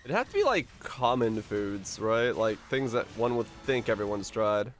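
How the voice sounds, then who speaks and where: A man's voice: on the low side, sing-song, moderate pace, soft background music. A man from Finland chatting casually and informally with viewers as a game livestreamer, musing aloud with some mild swearing. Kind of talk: casual chat with stream viewers.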